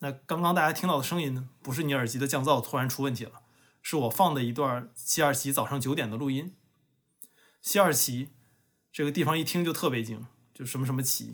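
On a very clean recording with a silent background, a fairly high-pitched man speaks at a fairly quick pace with a Northeastern Chinese accent. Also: ordinary pitch variation. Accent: Northeastern Mandarin. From Northeast China. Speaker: podcast host and tech founder. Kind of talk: scripted narration.

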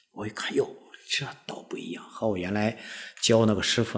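Noticeable background noise runs beneath this recording. A man speaks at a medium pitch and a fairly quick pace. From Shaanxi, China (Baoji). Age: 60s. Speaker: martial arts and qigong teacher. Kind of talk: interview storytelling. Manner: halting.

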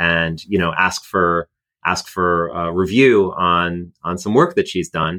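A man with an American accent speaks at a very deep, low pitch with a bright, sharp tone. His pace is very slow and his intonation fairly even. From United States. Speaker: tech startup CEO. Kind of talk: interview. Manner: hesitant, many fillers.

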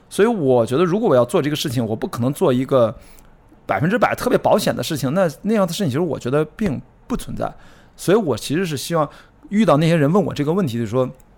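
A man with a fairly high voice talks at a very fast pace. His pitch swings very widely. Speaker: film producer and outdoor sports enthusiast. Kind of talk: casual interview chat. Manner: animated, laughs often.

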